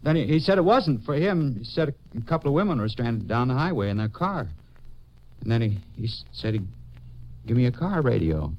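A jittery young American soldier in an old radio drama, with a medium-pitched voice. He stammers and hedges, speaking in halting, pleading bursts like someone cornered. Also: big pitch swings, dull audio, a little hiss or hum. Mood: defensive, halting. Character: nervous, evasive young Army soldier under questioning. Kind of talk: 1950s radio drama acting.

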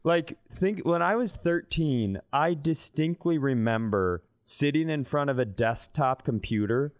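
A man's voice: fairly high pitch, a little slow. A man in his thirties talks as a comedy podcast co-host. He tells stories in a loose, conversational way, blunt and sweary, and slips into quoted lines to act them out. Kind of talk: animated casual comic storytelling.

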